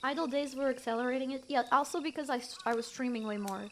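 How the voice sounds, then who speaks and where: A woman's voice: high-pitched, fast, fairly bright tone, slight background noise. A young woman streamer, not a native English speaker, chatting casually with her chat, giggly and rambling with fillers. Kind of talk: casual chat reading chat messages.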